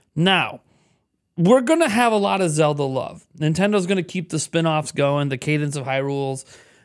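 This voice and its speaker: Fairly high in pitch, a man with a plain, everyday voice speaks at a moderate pace with lively intonation. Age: 30s. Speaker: YouTube gaming commentator. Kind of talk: video commentary monologue. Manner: casual, conversational.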